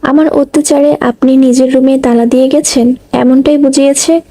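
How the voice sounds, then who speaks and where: A woman's voice: high-pitched, little pitch movement, normal speed, warm tone, dry recording. A woman voicing an emotional young woman in love in a read-aloud story, speaking in a pleading, sulky way. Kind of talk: audiobook reading.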